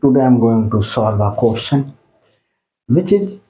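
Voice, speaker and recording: A male maths teacher walks through a problem at a very slow, deliberate pace. His pitch rises and falls freely as he counts items aloud one by one. The tone is mellow and soft. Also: expressive, poor audio. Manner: counts aloud slowly, addresses students as children. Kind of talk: slow step-by-step maths lesson.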